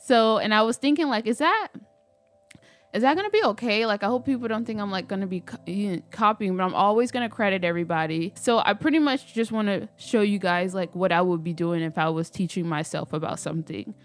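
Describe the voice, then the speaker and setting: Woman, casual vlog chat, stuffy nose, slightly nasal, rambling with fillers, mid pitch. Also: brisk, faint music behind. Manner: rambling, many "like" fillers and restarts. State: stuffy, a little nasal from a cold. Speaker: spiritual vlogger. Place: at home, doing her hair.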